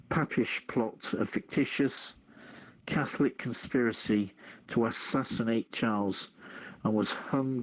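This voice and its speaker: Slow, halting man reading news aloud. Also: medium pitch, low-quality recording. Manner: halting, stumbles over words and repeats himself. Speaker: radio show host.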